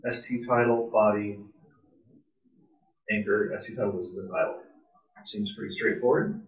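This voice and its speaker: A man's voice: lowish voice, fairly even intonation, moderate pace. A man presenting an informal live coding tutorial at a club meetup, casual and enthusiastic, thinking aloud as he types. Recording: distant, roomy, muffled meeting-room sound.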